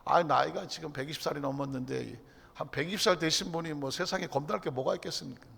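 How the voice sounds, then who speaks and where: A middle-aged man preaching a Friday night sermon as pastor. He asks the congregation rhetorical questions and swings between loud, emphatic exclaiming and hushed near-whispers. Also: on the high side, fast, creaky, breathy edge. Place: large church sanctuary. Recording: church hall reverb.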